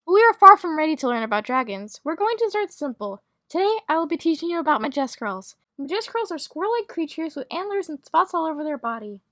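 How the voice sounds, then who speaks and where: A woman playing a timid, kindly magic-school creature teacher with a polite, hesitant manner in an animated roleplay story. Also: sits high, fast talker, few pauses, dry recording, full character voice. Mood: gentle, instructive.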